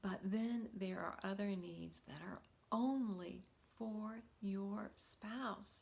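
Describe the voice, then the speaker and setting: Somewhat breathy woman's voice, medium in pitch, with fairly even intonation and a very slow pace. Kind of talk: vlog talk to camera.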